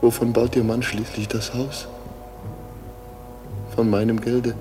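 A man's voice: mid-range voice, little pitch movement, takes it slowly, music in the background, lightly acted. An actor playing the ghost of a murdered man in a radio drama, suave and politely formal, mocking and insistent with macabre understatement. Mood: coaxing, insistent. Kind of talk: German radio drama acting.

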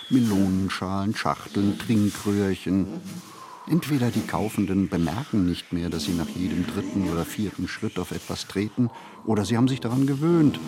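A male actor playing a brooding, observant city wanderer in a literary radio play, speaking in measured, deliberate phrases. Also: low-pitched, noisy background, natural voice. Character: brooding, observant male city flaneur narrating his thoughts.

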